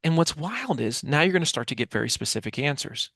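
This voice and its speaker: Emphatic man with a gravelly edge. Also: on the high side, big pitch swings, fast, fairly bright tone, dry recording, studio quality. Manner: emphatic, rhetorical questions, repeats phrases for emphasis. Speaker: guest, communication expert and author. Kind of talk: explanatory interview talk with acted-out example dialogue. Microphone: headset mic on a video call.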